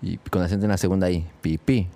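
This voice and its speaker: A man's voice: on the low side, fast, a little mellow. A Mexican man co-hosting a casual chat, joking and chiming in with short quips. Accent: Mexican Spanish. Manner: joking, brief interjections. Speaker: podcast co-host.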